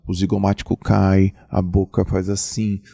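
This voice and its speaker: Gravelly, husky man, emphatic host. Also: deep voice, moderate pace. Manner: emphatic, animated storytelling. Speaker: podcast host. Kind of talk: casual conversation.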